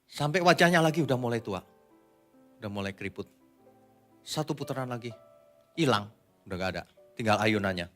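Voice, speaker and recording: A man, a pastor, preaching a sermon in a conversational way, asking the congregation questions and moving between quiet asides and loud emphatic lines. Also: mid-range voice, lively intonation, fairly quick, long pauses, soft background music.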